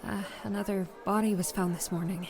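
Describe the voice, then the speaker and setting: A woman's voice: mid-range voice, fairly even intonation, brisk, creaky, a little mellow, natural voice. A woman playing a breezy, caring friend with a casual, chatty manner in an audio drama. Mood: breezy, flustered. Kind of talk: naturalistic audio drama acting.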